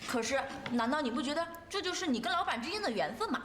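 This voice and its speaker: Gossipy young coworker, lively swoops, roomy sound. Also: female voice, high voice, fast talker, slight background noise. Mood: teasing. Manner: chatty and insinuating. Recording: roomy drama recording, faint music.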